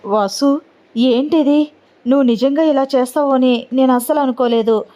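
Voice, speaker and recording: A woman's voice: high voice, moderate pace, mellow, highs cut off, lightly acted. A woman voicing a wry, teasing middle-aged aunt.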